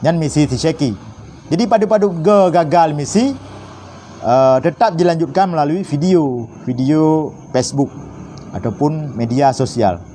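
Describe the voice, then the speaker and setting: A man with an Acehnese accent delivering a rambling political monologue, his voice on the higher side. His tone is dark and mellow, and he talks in a heated, insistent way. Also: unhurried, slight background noise. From Aceh, Indonesia. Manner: heated, rambling, switching between Acehnese and Indonesian. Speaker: political commentator.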